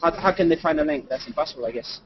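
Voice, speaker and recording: A man's voice: a little high, racing, a little hiss or hum. A man live-streaming a video blog on his way to a convention, chatting casually with many fillers and restarts. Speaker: video blogger. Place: walking through a busy convention and monorail. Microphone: head-mounted display mic. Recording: dull lo-fi live stream with crowd behind.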